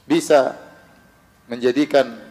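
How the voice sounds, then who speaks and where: A man's voice: mid-range voice, steady tone, takes it slowly, darkish tone. Male religious teacher, lecture style, recites Arabic verses, reverberant hall recording. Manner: asks the audience rhetorical questions and answers them himself; recites Arabic verses between plain explanations. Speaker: Islamic teacher.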